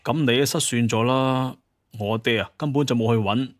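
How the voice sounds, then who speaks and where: A man's voice: mid-range voice, steady tone, moderate pace, no room sound, studio quality, natural voice. A man acting an exasperated, pleading grown son. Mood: placating. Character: grown son, young hunter chief, exasperated, placating.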